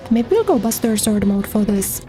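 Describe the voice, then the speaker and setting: A woman's voice: mid-range voice, sing-song, normal speed, mellow, soft background music. A young woman streamer chatting casually as she plays, thinking aloud about missions and thanking subscribers. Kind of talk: casual gameplay commentary.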